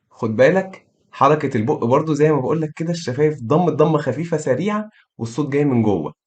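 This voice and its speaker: A man with an Egyptian Arabic accent teaching pronunciation, encouraging his students and slowly demonstrating vowel sounds over and over. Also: medium pitch, a little mellow. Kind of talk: online pronunciation lesson.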